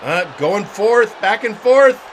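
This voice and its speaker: A man working as an excitable wrestling commentator, mixing live calls with conversational analysis. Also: high voice, slow pace, slight background noise.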